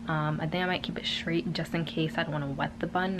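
A woman at a fairly quick pace, over noticeable background noise. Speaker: vlogger. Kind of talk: casual vlog chat. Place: home room. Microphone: phone near.

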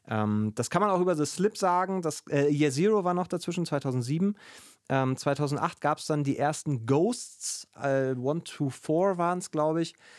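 In a dry sound with no echo and a quiet background, a man speaks at a fairly high pitch with ordinary pitch variation. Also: fairly slow pace. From Hamburg, northern Germany; Germany. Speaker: music podcast host. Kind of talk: casual chat. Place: studio. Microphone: studio dynamic mic; studio mic.

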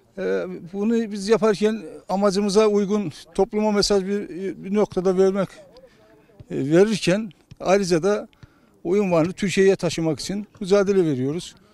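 A man speaks at a moderate pace in a high pitch, his tone dark and mellow with fairly even intonation. Long, frequent pauses break up his speech, and the sound is dry with no echo. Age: 70s. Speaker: amateur footballer. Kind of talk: interview; interview answer. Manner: halting, many fillers. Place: stadium. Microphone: handheld.

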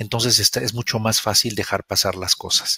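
A man in a Mexican accent, fairly low-pitched and fairly quick, with a bright, sharp tone and a dry, close sound with no echo. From Mexico. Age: 50s. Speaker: quality management consultant. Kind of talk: webinar lecture. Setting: online webinar.

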